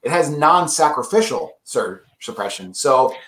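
A man's voice: medium pitch, big pitch swings, measured pace, a bit bright, echoey room. A man representing an audio brand, casually explaining products in an enthusiastic, salesy way.

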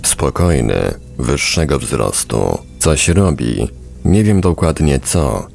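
Male audiobook reader, exceptionally deep and gravelly, for scripted narration. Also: lively intonation, slow, a little mellow. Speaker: audiobook reader on a radio podcast. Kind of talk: scripted narration, book reading.

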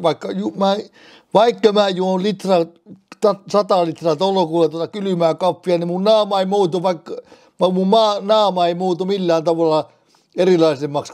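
A Finnish man talking casually to the camera at home, rambling in a halting, jokey way and restarting words often. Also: a little high, darkish tone. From Finland. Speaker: vlogger.

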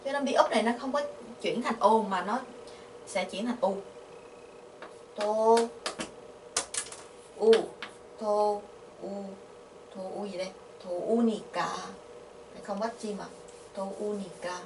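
Vietnamese-accented woman, patient grammar teacher, roomy distant sound with faint hiss. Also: medium pitch. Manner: patient, asks the class questions, repeats syllables slowly. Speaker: Korean language teacher. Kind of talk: explaining grammar. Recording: echoey, from a distance, faint noise.

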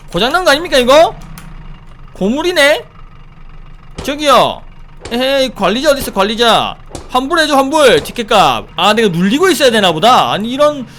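A male gaming commentator with a high, very lively voice that swings up and down as he jokes his way through a scary game. He startles easily and ribs the characters. A faint background hiss sits under the recording. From South Korea. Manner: jokey, animated, easily startled. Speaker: gaming streamer. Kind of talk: let's play commentary.

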